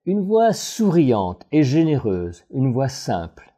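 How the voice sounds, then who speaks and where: A man narrates a scripted analysis as a voice coach. He is measured and analytical, with a very dark timbre and a pitch that rises and falls expressively. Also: huge pitch swings.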